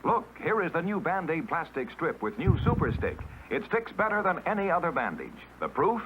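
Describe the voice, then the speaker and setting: A man announcing a 1950s TV commercial in an emphatic, punchy sales-pitch manner. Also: very animated, fairly quick, muffled recording, slight background noise.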